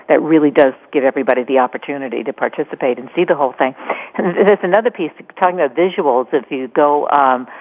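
A man works as a radio host, interviewing in a chatty and encouraging style. He talks quickly in a fairly high voice, and the sound is thin and phone-like. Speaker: radio talk show host. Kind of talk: conversational interviewing.

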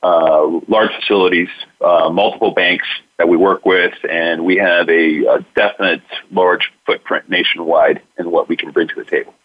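A man from Florida, a sales executive answering interview questions in a relaxed, conversational way. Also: sits low, moderate pace, highs cut off. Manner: relaxed, conversational, many fillers.

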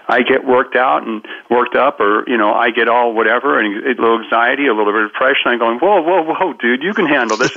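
A man's voice: medium pitch, gravelly. A man in his fifties, a guest on a radio interview, telling stories animatedly and acting out the voices he quotes. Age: 50s. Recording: phone-like radio line.

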